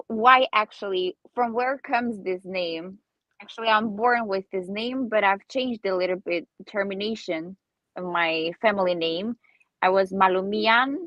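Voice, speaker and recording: A woman in her twenties from Armenia, a native Armenian speaker, answering interview questions in halting English and searching for words. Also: medium pitch, dry recording, highs cut off. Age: 20s. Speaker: singer guest.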